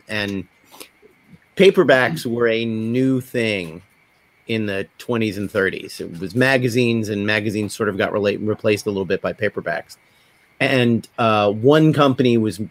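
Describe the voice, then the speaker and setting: A podcast host with a lowish male voice chats casually, drifting off into anecdotes and digressions. The recording has no echo.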